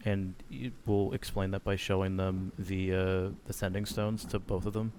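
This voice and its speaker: A man playing in a tabletop game, speaking hesitantly with many pauses. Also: deep voice, little pitch movement, a little mellow, slight background noise. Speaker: player. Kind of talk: tabletop role-play, in and out of character.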